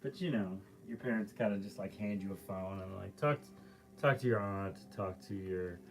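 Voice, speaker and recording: A man's voice: low voice, normal speed. A man, a painter hosting a live stream from his art studio, chatting casually and rambling through loose stories with lots of fillers as he paints.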